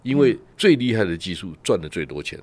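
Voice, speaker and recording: A man's voice: deep voice, sing-song, a little fast. A man from Taiwan, chatting as a radio guest and telling travel stories full of rhetorical questions. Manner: storytelling, peppers talk with rhetorical "right?" and "ha". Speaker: guest commentator. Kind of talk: casual radio chat.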